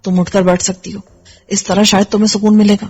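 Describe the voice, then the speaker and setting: A woman voicing a captive young man who calmly reassures his companion, in a hushed, breathy way. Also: medium pitch, muffled recording, soft background music, close to an everyday voice. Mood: reassuring.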